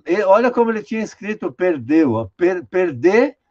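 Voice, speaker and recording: Giving an online lecture through dull, lo-fi video call sound, an older Brazilian linguistics professor patiently unpacks a student's writing and tells the screen operator what to show. His high-pitched voice is dark and sing-song at a moderate pace, with many "né?" tags.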